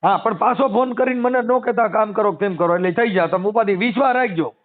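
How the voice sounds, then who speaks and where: Male phone counsellor, Kathiyawadi accent: high, fast, reassuring and insistent, on a narrowband call recording. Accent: Kathiyawadi Gujarati. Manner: reassuring, advising, talks over caller. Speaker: spiritual helper taking calls for his YouTube channel.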